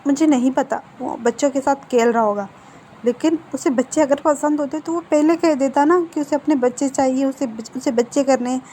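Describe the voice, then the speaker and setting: A principled young husband speaks calmly and firmly in a storybook retelling, as a woman puts him on. The voice is high-pitched and mellow in tone. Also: moderate pace, slight background noise, lightly acted.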